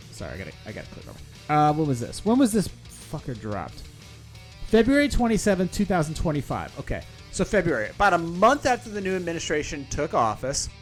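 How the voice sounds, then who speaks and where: Sarcastic, profane male podcast host. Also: on the high side. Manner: sarcastic, profane, rambling with self-corrections. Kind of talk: casual commentary, reading an article aloud.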